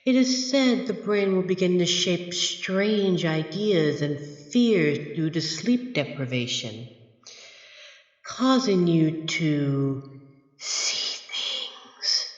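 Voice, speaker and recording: A woman voicing a smug, menacing monster from under the bed in an audio roleplay, haughty and taunting with drawn-out theatrical delivery. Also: fairly low pitch, expressive. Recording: echoey reverberant hall, slightly dull.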